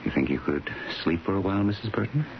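An actor playing a calm, firm and kindly hospital doctor in a radio drama, with a gravelly voice. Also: male voice, low-pitched, fast. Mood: firm, reassuring. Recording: muffled radio broadcast with faint hiss.

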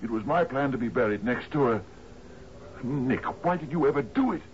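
An actor playing a grief-stricken sea captain in a 1970s radio drama, halting and repeating his words in disbelief. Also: mid-range voice, animated, close to an everyday voice. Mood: shocked, anguished. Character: grief-stricken male sea captain, devoted widower, anguished and commanding. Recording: dull noisy vintage radio broadcast.

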